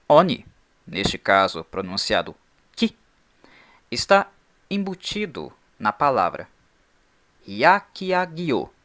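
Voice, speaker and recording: A man hosting a channel, reading a scripted explainer in an expressive, emphatic way. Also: mid-range voice. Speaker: channel host.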